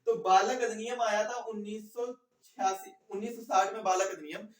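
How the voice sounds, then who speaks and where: A man's voice: high-pitched, steady tone, normal speed. A man teaches an online exam class. He explains step by step, repeats important phrases and asks his listeners questions. The sound is echoey, picked up some way from the mic. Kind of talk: explanatory online lecture to students. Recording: echoey room, distant mic.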